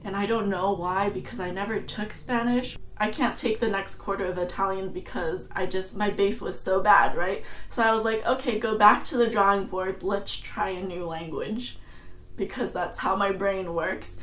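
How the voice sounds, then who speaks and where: A woman's voice: medium pitch, steady tone, normal speed, a bit bright, roomy sound. An American woman in her twenties from San Francisco, chatting to camera as a travel and food vlogger and joking about herself. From San Francisco, USA. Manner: chatty and self-deprecating, laughs at herself. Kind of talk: casual chat to camera.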